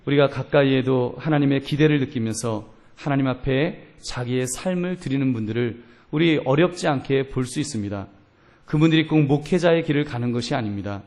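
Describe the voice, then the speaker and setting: A man's voice: mid-range voice, darkish tone. A male pastor preaching a sermon emphatically, asking the congregation rhetorical questions and telling stories. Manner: storytelling with voiced quotes.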